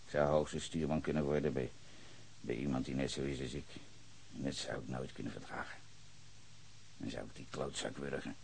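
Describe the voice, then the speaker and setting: An actor playing a bitter, hard-drinking former sea captain under questioning, brooding low then flaring into furious shouts in a radio drama. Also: male voice, fairly even intonation, fairly quick, vocal fry, long pauses, slightly rough, full character voice. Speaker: suspect questioned by detective.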